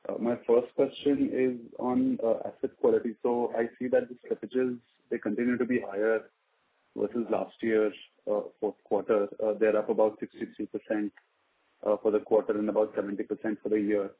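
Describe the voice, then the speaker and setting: Husky low-voiced analyst on phone. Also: male voice, little pitch movement, moderate pace. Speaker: financial analyst asking questions. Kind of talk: earnings call questioning. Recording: tinny, radio-like phone line.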